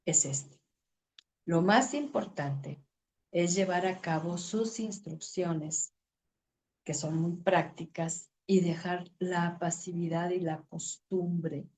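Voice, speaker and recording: A middle-aged woman teaching a women's ministry Bible lesson, expressive, acting out dialogue and reading scripture slowly. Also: on the low side. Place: church.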